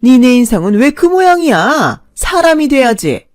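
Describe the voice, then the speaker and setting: A woman doing a shrill, shameless older mother-in-law. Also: unhurried, no room sound, clean studio sound, close to an everyday voice. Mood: scolding. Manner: loud, scolding and whining. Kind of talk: storytelling with acted dialogue.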